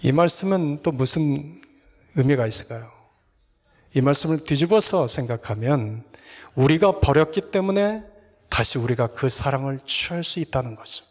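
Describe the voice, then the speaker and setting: A male pastor preaching a sermon, earnestly putting rhetorical questions to his congregation and sometimes dropping to a soft whisper. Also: on the high side, animated, moderate pace. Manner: earnest, addresses listeners with repeated rhetorical questions. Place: church sanctuary. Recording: long reverb of a church hall.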